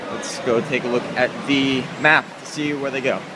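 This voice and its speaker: A male speaker with noticeable background noise around him. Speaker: travel vlogger. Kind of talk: casual tutorial narration. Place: street. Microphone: phone near.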